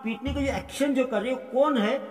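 A man teaching an English grammar lesson. He asks the class questions and answers them himself, dropping low and soft on each answer word. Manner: reads each example sentence slowly. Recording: echoey room with long reverb.

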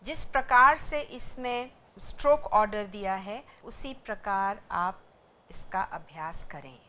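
A woman's voice: medium pitch, slow pace, bright, forceful tone. A woman teaching a language lesson, explaining patiently and repeating syllables one by one for students to practice. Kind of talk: educational lecture.

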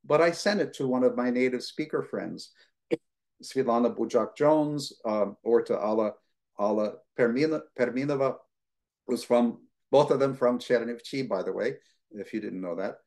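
A man in his sixties from the United States, answering questions as a guest lecturer on a video call from his living room, relaxed and rambling with many fillers. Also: medium pitch, moderate pace. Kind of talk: conversational Q&A answer.

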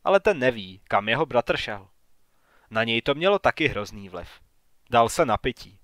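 A man voicing a courteous small-town real estate agent in an audiobook, a little raised and brisker than his narration. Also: medium pitch, big pitch swings, no room sound, clean studio sound. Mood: polite, probing. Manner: courteous, then sharp and questioning.

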